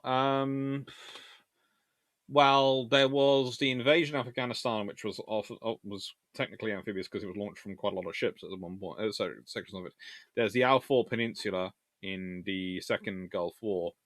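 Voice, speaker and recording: A man hosting a casual live question-and-answer stream on naval history, chatty and animated, talking in a stop-start way with trailing asides. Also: mid-range voice, a little fast, dry recording. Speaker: livestream host answering viewer questions.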